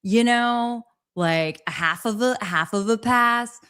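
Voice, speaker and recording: A woman's voice: a little high, slow, fairly bright tone, smooth. A woman hosting a livestream, speaking in a casual, conversational way. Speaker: livestream host.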